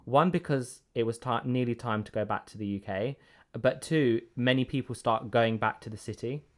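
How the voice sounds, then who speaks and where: A man's voice: medium pitch, moderate pace. A man with an English accent, born in Greece, co-hosting a podcast in casual, chatty conversation. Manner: relaxed, chatty, with fillers. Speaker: podcast co-host.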